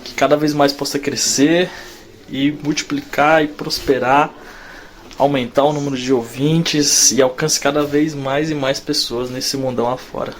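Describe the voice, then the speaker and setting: A man recording a friendly greeting for the podcast's listeners, speaking slowly with casual slang. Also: medium pitch, fairly even intonation, slight background noise. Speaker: guest sending a recorded greeting. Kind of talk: recorded congratulations message.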